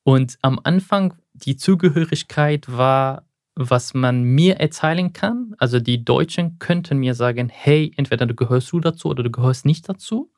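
Answering an interviewer's questions, a young man from Syria who isn't a native speaker pauses to find words now and then and makes occasional German slips, though he stays thoughtful. He talks at a normal speed in a mid-range voice, in a dry, studio-quality recording.

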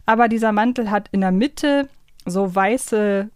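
A woman's voice: mid-range voice, a little slow, a little mellow, smooth, no room sound, studio quality. A woman chatting casually as a podcast co-host.

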